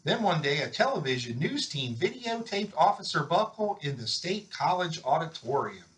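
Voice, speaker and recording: A man reading a children's picture book aloud in an expressive storytelling style. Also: on the high side, moderate pace, poor audio. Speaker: volunteer story reader.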